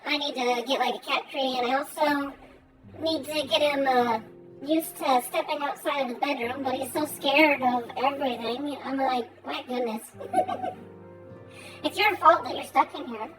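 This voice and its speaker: A woman's voice: sits high, moderate pace. A young woman streaming a game, chatting casually and reading its story text aloud, and tripping over the fantasy names. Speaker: live streamer. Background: game music.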